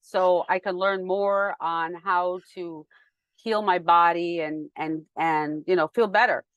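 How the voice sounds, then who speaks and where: A woman hosting a podcast, chatty and quick to laugh, stumbling over words now and then. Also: lowish voice, steady tone, fairly bright tone, no room sound, dull audio. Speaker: podcast host. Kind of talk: casual interview talk.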